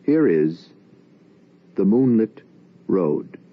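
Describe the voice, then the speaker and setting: A man announcing an old-time radio drama in a deep, slow, solemn way. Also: big pitch swings, full character voice. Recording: tinny old radio broadcast.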